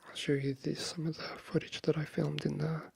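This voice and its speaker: A man speaking softly and breathily, half whispering in a hesitant, friendly ASMR chat into a close microphone. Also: fairly high pitch, level tone, a little fast, creaky, breathy edge. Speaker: ASMR video creator. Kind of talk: soft-spoken ASMR, friendly chat roleplay.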